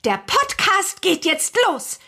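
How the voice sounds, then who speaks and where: A woman's voice: extremely high pitch, wildly swooping pitch, slow pace, pushed and bright, full character voice. A woman voicing a perky young witch girl in a German children's audio drama. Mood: gleeful spellcasting.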